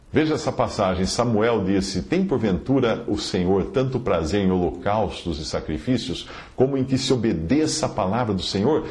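A man's voice: low voice, darkish tone. A man answering a listener's letter on a podcast, emphatic and quoting scripture with chapter references. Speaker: Bible teacher answering a listener.

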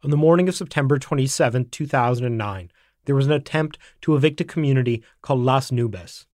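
A man narrating an investigative report in scripted, measured form. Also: medium pitch, no room sound, clean studio sound. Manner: measured, even delivery. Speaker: documentary narrator.

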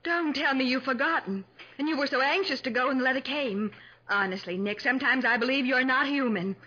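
A woman's voice: high-pitched, a little fast, bright, forceful tone. An American woman playing an eager, bossy young assistant to a detective in a 1940s radio drama. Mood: coaxing, exasperated. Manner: urgent, coaxing, playfully exasperated. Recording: muffled 1940s radio recording.

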